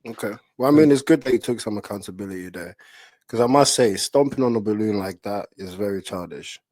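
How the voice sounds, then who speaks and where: A man's voice: fairly low pitch, a little fast, darkish tone, no echo. A man hosting a show, asking a guest direct, probing questions. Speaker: host. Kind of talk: interviewing.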